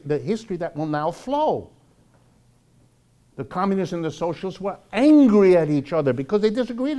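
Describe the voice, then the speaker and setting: A man speaks as a public lecturer, in a fairly high voice with a mellow tone. His pitch swings widely as he stresses points, asks rhetorical questions and pauses deliberately. The delivery is informal storytelling to a live audience. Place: live talk before an audience.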